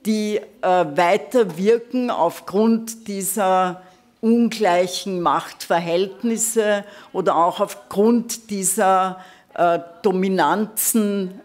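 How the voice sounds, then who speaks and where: An older woman giving an academic lecture at a conference lectern, speaking in a measured, deliberate way with frequent hesitation fillers. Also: on the low side, a little mellow. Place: conference hall, standing at a lectern. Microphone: lectern microphone.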